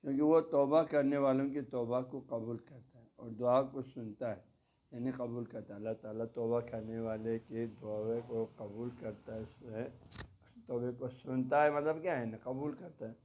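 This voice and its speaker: A man's voice: medium pitch, steady tone, darkish tone. A man giving a religious lecture who explains word meanings step by step, repeats each gloss and often adds a short "haan ji". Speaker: religious teacher. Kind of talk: lecture explaining a devotional text.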